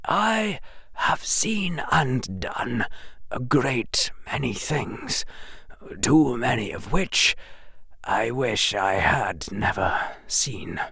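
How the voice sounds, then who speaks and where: A reader voicing an ancient, gentle wizard headmaster in a slow, hushed, breathy whisper. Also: medium pitch, expressive, no room sound, exaggerated voice. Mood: weary, quiet. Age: over 100 (figure).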